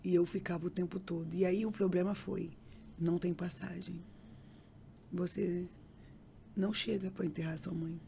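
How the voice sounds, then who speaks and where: A woman tells an emotional faith testimony as a podcast guest. Her voice sits a little low, and she repeats phrases and puts on the voices of the people in her story. A faint background hiss runs under her. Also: fairly even intonation, moderate pace, vocal fry, pauses often, dark tone.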